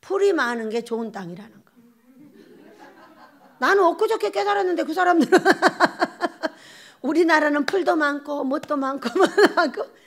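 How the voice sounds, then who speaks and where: A woman's voice: high voice, unhurried, pauses often. A woman pastor preaching a sermon, telling stories with laughter and acting out quotes. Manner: animated storytelling with laughter and acted-out quotes. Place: church sanctuary.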